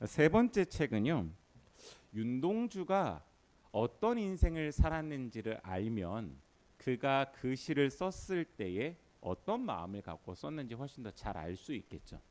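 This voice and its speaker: A male pastor delivers a Sunday sermon in a church sanctuary. His pitch rises and falls freely as he talks, and he coaxes the congregation into repeating lines back to him. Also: unhurried. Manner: lively, leads the congregation in call-and-response. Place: church sanctuary during worship.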